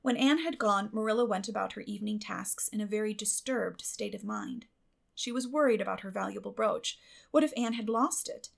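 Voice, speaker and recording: A woman's voice: mid-range voice, very animated, brisk, creaky. A woman reading scripted classic fiction as an audiobook narrator.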